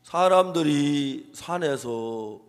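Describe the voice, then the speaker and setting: A man preaching a sermon, telling a story with acted quotes and swinging between hushed and emphatic delivery. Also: a little high, animated, drawn-out words. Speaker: pastor. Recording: long reverb of a large hall.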